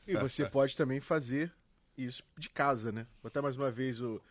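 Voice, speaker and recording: A man's voice: mid-range voice, moderate pace, dry recording. A man co-hosting a radio show, upbeat and agreeable in casual chat. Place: radio studio.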